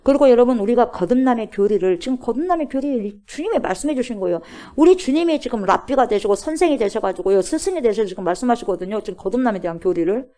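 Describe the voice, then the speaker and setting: A woman's voice: a little high, expressive, quick pace, few pauses, warm tone. A woman pastor preaching at a Friday prayer service. She asks the congregation questions and drops to a whisper at times. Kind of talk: sermon. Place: church.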